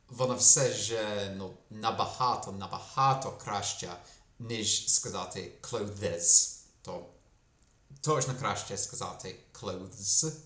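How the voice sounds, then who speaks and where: Teacher Ukrainian, echoey room. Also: male voice, on the low side, bright, forceful tone. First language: English. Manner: hesitant, many fillers, slows down to model English words. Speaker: English teacher. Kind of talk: short language lesson.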